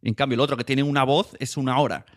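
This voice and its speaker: A man's voice: mid-range voice, fairly even intonation, quick pace. A man from hosting a podcast in a casual, conversational way. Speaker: podcast host.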